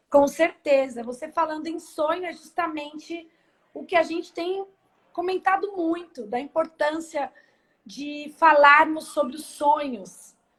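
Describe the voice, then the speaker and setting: A woman with a high pitch speaks at a fairly slow pace, her loudness swinging widely while her pitch varies in an ordinary way. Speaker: mayoral candidate, educator. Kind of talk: interview.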